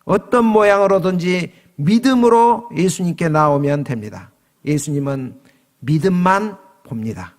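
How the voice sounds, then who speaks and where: A man's voice: high-pitched, expressive, a little slow, darkish tone. A man preaching a sermon as pastor, switching into raised voices for quoted lines. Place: church sanctuary. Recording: long reverb of a church hall.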